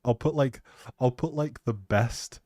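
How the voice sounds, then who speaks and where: A young man, a live streamer and audio creator, rambles casually during a game livestream, joking around playfully as he answers viewers. His medium-pitched voice is a little slow and a little mellow. The sound is clean studio audio with no room sound.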